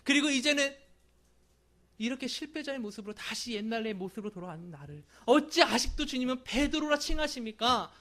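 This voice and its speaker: A man's voice: extremely high pitch, lively intonation, a little fast, sharp tone, voice pushed up, heavily acted. A man voicing a distraught apostle who pleads and protests in a raised voice, as a quote within a sermon. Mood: anguished protest.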